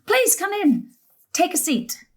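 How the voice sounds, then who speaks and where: A woman playing a brisk, long-suffering middle-aged mother in an audio drama, prim and organising. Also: very high-pitched, sing-song, background noise, heavily acted. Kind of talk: stage-thriller audio drama acting.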